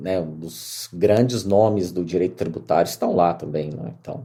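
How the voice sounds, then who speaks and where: In a Minas Gerais accent, a man with a very deep, low pitch and a dark, mellow tone speaks with ordinary pitch variation. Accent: Minas Gerais (mineiro) Brazilian Portuguese. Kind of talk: casual, conversational.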